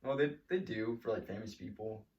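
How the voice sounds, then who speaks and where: A young man co-hosting a casual podcast, trading dry, deadpan jokes with a friend. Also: on the low side, a little fast. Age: young adult. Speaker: podcast co-host. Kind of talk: casual chat. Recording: echoey room, mic at a distance.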